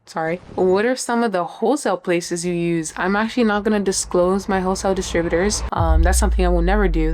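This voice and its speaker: A woman's voice: fairly low pitch, a little mellow, slight background noise. A woman in her twenties from Miami, casually chatting as she answers viewer questions, with frequent "um" and "like". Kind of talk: casual Q&A chat reading viewer comments.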